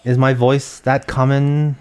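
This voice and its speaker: A soft-spoken young man chatting casually while live-streaming a game, reading chat aloud and thinking out loud with a gentle voice. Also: mid-range voice, level tone, slow, clear, resonant tone.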